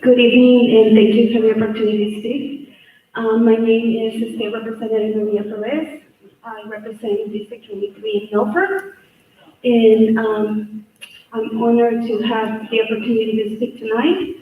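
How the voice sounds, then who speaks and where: A woman's voice: fairly high pitch, steady tone, normal speed, narrow, tinny audio, slight background noise. Earnest woman with Salvadoran Spanish accent. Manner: earnest, repeats phrases and restarts. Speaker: state representative giving public testimony. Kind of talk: public comment at a hearing. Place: large echoey hearing room. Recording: echoey hall, voice far from mic.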